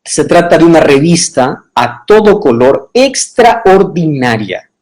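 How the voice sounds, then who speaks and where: A man preaching as a pastor on a livestream, talking straight to viewers, checking often that they follow and spelling out numbers slowly. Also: on the high side, rough recording. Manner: animated, addresses viewer directly with frequent checks.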